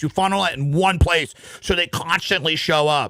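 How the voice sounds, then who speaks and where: This man's pitch is fairly high. His pitch variation is ordinary. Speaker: streamer and creator coach. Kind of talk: live stream chat. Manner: loud.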